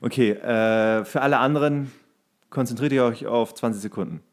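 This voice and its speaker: A man's voice: medium pitch, normal speed. A man in his thirties co-hosting a podcast, casually telling anecdotes and acting out quotes as he goes. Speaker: podcast co-host; actor.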